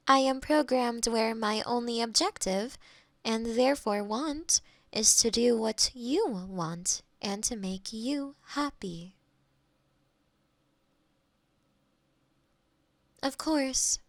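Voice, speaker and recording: A woman's voice: on the high side, no room sound. A woman playing a polite AI girlfriend eager to please, speaking in stilted, precise phrases in an intimate close-miked roleplay. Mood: calm, clinical. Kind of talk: scripted intimate roleplay audio. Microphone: close binaural microphone.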